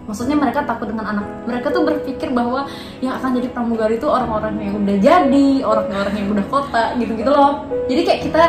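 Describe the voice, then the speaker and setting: Female vlog host in her 20s, high pitch, roomy echo, walks viewers through it. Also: fast talker. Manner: explains step by step, speaks to viewers. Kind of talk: casual chat. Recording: echoey room with music behind.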